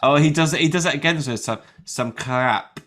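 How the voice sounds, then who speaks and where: A man's voice: fairly high pitch, moderate pace, fairly bright tone. A man co-hosting a podcast, teasing his co-host and giggling through casual chat. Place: Brighton.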